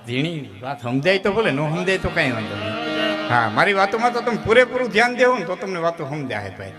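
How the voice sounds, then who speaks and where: A man's voice: sits high, sing-song, brisk, over music. A man with a Kathiawadi Gujarati accent telling humorous folk stories on stage, chatty and jokey, often checking in with his listeners. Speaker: folk storyteller. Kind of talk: live humorous folk storytelling. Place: stage before a live audience. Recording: live audience noise. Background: crowd.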